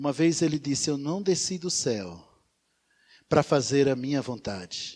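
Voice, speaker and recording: Lively intonation from a man at a fairly slow pace, with long, frequent pauses, on a very clean recording with a silent background. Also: fairly high pitch for a man. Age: 50s. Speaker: pastor. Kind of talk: sermon.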